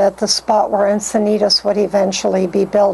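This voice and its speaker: Through noticeable background noise, a woman with a medium pitch speaks at a moderate pace. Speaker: interviewee, wife of a claimed son of a spiritual teacher. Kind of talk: interview, storytelling.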